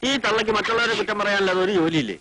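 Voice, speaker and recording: A man's voice: high voice, very fast, lightly acted, poor audio. An actor playing a dismissive neighbour man who scolds a gossip in a film. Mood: scolding. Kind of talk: film drama acting.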